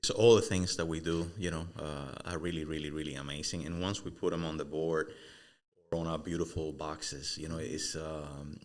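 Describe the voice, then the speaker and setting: Low-voiced man from Cuba, repeating himself. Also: fairly even intonation, normal speed. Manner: warm, repeats words, uh fillers. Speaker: business owner guest.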